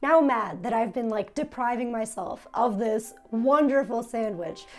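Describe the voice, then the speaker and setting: A young woman hosting a casual food-tasting vlog, hoarse and nearly losing her voice, talking in a subdued, raspy monotone with small laughs. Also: fairly high pitch, moderate pace, soft background music. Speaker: food vlogger. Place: her home in Japan.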